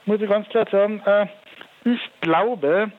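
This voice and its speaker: A man's voice: sits high, a little slow. A man with an Austrian accent calling a radio show, friendly and earnest, with many fillers. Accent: Austrian German. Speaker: caller. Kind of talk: phone-in chat. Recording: tinny phone line.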